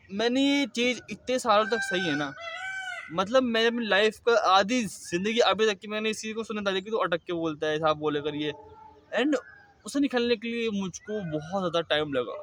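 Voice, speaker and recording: A young man talking casually to his vlog audience, with a throaty, slightly thick voice that he keeps slow and deliberate, catching on the odd word with a small stammer. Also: high voice, a bit bright, slight background noise. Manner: speaks slowly and deliberately, with occasional stammers. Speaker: vlogger. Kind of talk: casual personal vlog monologue.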